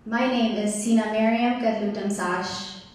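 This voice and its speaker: A woman from Ethiopia in her thirties giving a prepared community talk as guest speaker, slow and deliberate. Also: medium pitch, steady tone, a little mellow. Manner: slow, deliberate, measured delivery. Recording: echoey hall, distant mic, faint noise.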